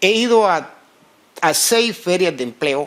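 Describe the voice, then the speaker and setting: A man's high-pitched voice with very wide pitch swings, against noticeable background noise. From El Salvador. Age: 60s. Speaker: returned migrant. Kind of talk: news interview.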